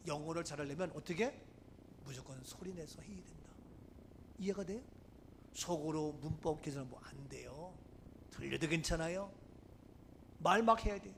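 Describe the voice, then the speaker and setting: A middle-aged pastor from Gangwon Province gives an animated sermon, moving from hushed asides to loud preaching. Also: male voice, a little high, vocal fry, a little hiss or hum. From Gangwon Province, Korea. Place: church sanctuary.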